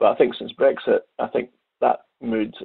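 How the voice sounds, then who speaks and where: The speaker is a man. His delivery is fairly slow. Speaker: politician. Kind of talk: interview. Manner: halting, repeats words.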